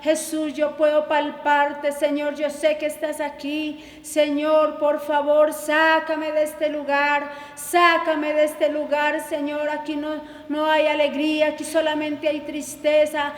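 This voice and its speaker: A high, tormented woman sobs out her pleas, put on by a woman preacher retelling a vision. Her tone stays in one narrow band, begging and broken. The voice rings through a long, echoing hall. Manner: crying, begging. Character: anguished condemned woman pleading from hell. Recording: echoey hall reverb.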